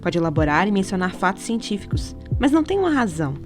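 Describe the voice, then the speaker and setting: A Brazilian woman narrates a scripted podcast essay over background music, explaining her points and frequently asking rhetorical questions. Her mid-range voice is very animated and fast.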